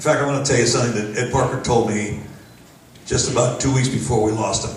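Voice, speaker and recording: Very fast speech from a man at medium pitch, with audible room echo and noticeable background noise. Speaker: martial arts instructor. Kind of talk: panel talk.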